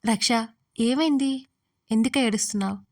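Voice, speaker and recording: A woman's voice: fairly high pitch, steady tone, normal speed, a little mellow, distant mic, natural voice. A woman voicing a firm, protective young female friend in an audio story, scolding and direct. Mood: concerned.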